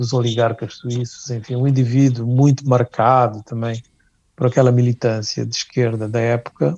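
A man's dark, mellow, somewhat breathy voice at medium pitch, fairly even in intonation, moderate in pace, with a dry, close sound and no echo. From Guinea-Bissau. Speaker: professor. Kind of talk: interview.

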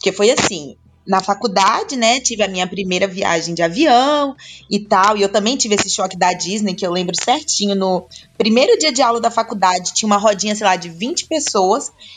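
A woman at medium pitch with ordinary pitch variation and a moderate pace, music in the background. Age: 20s. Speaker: digital nomad and photographer. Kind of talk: casual chat.

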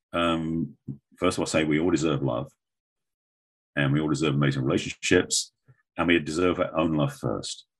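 With an English accent and vocal fry, a man speaks at a very deep, low pitch, leaving long, frequent pauses. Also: fairly even intonation, moderate pace. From England. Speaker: relationship coach and author. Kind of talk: interview conversation.

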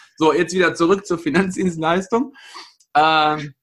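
A fairly quick pace and a fairly high pitch from a man. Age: 30s. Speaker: former pro cyclist, network marketer. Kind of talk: casual interview. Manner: hesitant, many fillers.

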